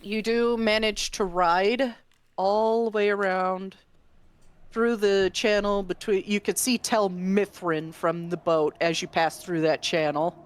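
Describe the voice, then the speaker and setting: A woman narrating a tabletop game as game master, relaxed and descriptive. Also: medium pitch, takes it slowly, smooth, dry recording.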